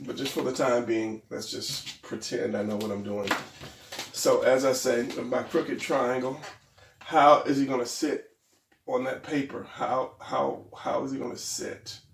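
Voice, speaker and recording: Male drawing instructor, gravelly and a bit stuffy, rambling and hesitant, recorded off-mic in a roomy space. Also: mid-range voice, steady tone, unhurried, recorded from a distance. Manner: hesitant, rambling, self-deprecating. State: losing his voice, a little stuffy. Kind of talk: casual drawing tutorial.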